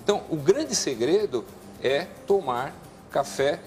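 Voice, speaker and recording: A man speaking as a guest doctor on a TV talk show, calmly explaining health advice with frequent restarts. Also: fairly high pitch, unhurried.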